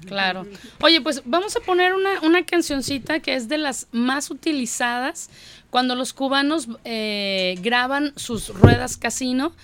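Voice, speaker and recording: A woman's voice: high voice, expressive, a little slow. A woman radio host, upbeat and friendly as she introduces a song. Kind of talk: casual radio chat.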